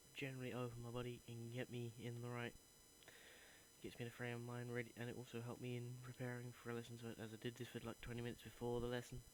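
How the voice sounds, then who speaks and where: A man talks very fast at a medium pitch, his intonation monotone and flat. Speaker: acting student. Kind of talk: reflective video diary. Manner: halting, many false starts.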